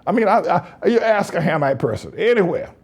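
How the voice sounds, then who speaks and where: A pastor hosting a news blog, giving fiery, mocking, rambling biblical commentary on politics. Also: male voice, high-pitched, very animated, fast talker, vocal fry, husky.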